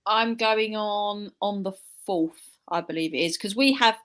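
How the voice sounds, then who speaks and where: A woman's voice: medium pitch, a little slow, a bit bright. A woman co-hosting a show, talking in a casual, conversational way. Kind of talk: casual chat.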